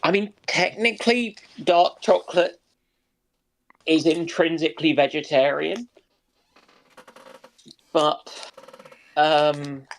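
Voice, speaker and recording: A man in a casual live chat, talking haltingly with pauses between short phrases. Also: a little high, fairly even intonation, creaky, slight background noise, low-quality recording.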